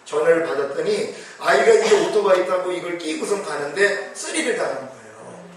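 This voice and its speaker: A man's voice: expressive, a little fast. A middle-aged man preaching a sermon as pastor, telling a personal testimony with emotion and rising to fervent exclamations. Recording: boomy echo, distant mic, faint hiss.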